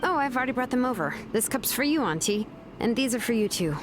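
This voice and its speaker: A woman's voice: on the high side, animated, fast, noisy background, natural voice. A woman playing a caring, helpful young adult niece in a video game, considerate and reassuring. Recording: game music behind the voice.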